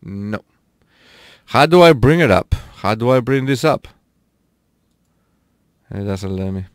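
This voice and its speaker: Taking it slowly, this man's animated mid-range voice carries casual live-stream chat as he plays a racing game, often laughing with his viewers. The recording is dry and studio quality.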